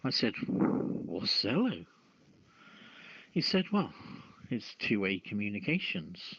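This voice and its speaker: A man co-hosting an online radio show in casual chat, talking in a halting, deliberate way over a phone-like app connection. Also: on the low side, sing-song, a bit bright, slightly rough, no room sound. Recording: phone-like two-way app audio.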